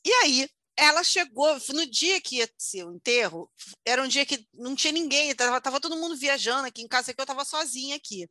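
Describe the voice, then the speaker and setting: A woman's voice: sits high, animated, brisk, pushed and bright, no echo, clean studio sound. A woman co-hosting a podcast, chatting and telling a rambling story with frequent laughter. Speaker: podcast co-host. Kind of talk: casual comedic chat.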